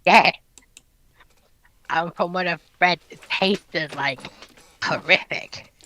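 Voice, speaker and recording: A man with a fairly high, very bright voice joins in as a panelist. His talk is casual and conversational, with a sharp edge to the tone. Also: slow. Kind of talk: casual chat.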